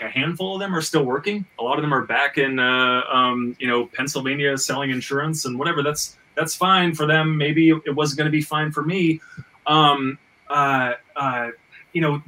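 Bright-voiced man, stammering, slightly distant mic. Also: fairly high pitch, normal speed. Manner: stammering, repeats words as he reasons aloud. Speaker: podcast host; screenwriter and fiction writer. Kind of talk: casual panel talk. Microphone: video call.

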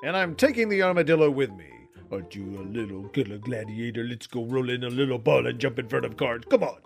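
A man's voice: mid-range voice, animated, fast talker, vocal fry, faint music behind. A man voice actor clowning around between lines in a recording session.

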